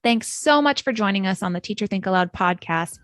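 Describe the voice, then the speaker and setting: A woman's voice: mid-range voice, animated, a bit bright, no echo, soft background music. Earnest woman co-host, dry close sound. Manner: measured, affirming, earnest. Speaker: podcast co-host, English teacher. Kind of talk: scripted podcast discussion.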